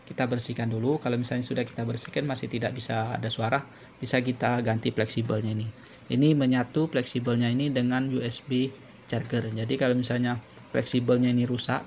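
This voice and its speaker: A man presenting an unscripted step-by-step repair tutorial, halting and repetitive as he explains. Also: medium pitch, creaky, darkish tone, slight background noise.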